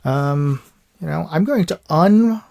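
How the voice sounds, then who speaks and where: A middle-aged American man hosting a casual live chat, speaking haltingly and often repeating himself. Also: a little high, lively intonation, creaky, a little mellow, no echo, studio quality. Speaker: live show host. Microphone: USB microphone.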